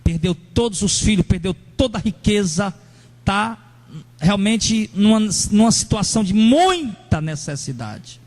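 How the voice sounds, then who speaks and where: A high-pitched male pastor preaching to his congregation in a lively, animated way. He speaks straight to members of the church and acts out the angry believers he describes with a raised, shouting voice. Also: unhurried. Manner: addresses congregation members directly. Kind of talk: sermon.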